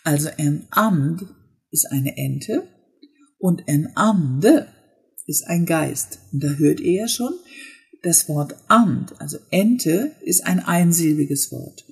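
A woman hosting a podcast language lesson, explaining pronunciation step by step and modelling words slowly. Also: deep voice, lively intonation, vocal fry, darkish tone, breathy edge. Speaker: Swedish teacher and podcast host.

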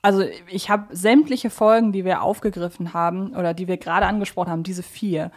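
A woman's voice: fairly low pitch, fairly even intonation, brisk. German woman explaining details in casual chat. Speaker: podcast co-host. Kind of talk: casual fan-podcast discussion.

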